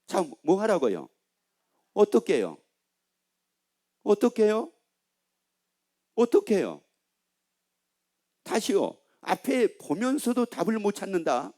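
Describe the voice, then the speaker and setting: A man's voice: high-pitched, sing-song, slow pace, long pauses, dark tone. A male pastor preaching a sermon, putting questions to the congregation and repeating their answers back, with teasing asides.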